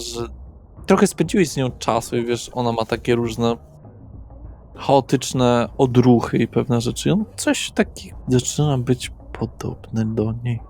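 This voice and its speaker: A man's voice: medium pitch, a little mellow. A man working as game master, narrating an improvised tabletop role-playing session in casual words.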